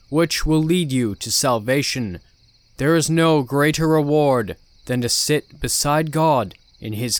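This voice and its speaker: A man voicing a charismatic male cult prophet in his forties, preaching slowly with an authoritative yet kind tone. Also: mid-range voice, no echo, close to an everyday voice. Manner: slow, authoritative sermon-like delivery.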